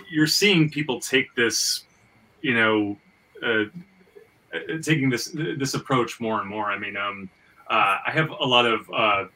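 A man's voice: fairly low pitch, sharp tone. A man hosting a casual podcast discussion, talking in an enthusiastic, rambling way with repeated stammers, recorded at some distance from the mic. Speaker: podcast host and comic book writer.

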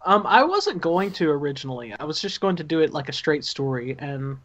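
A man's voice: on the high side, big pitch swings, brisk, fairly bright tone. A man with a Southern US accent chatting casually about making his film, laughing easily and often restarting words. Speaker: writer and director. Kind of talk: casual commentary chat. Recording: dull lo-fi sound.

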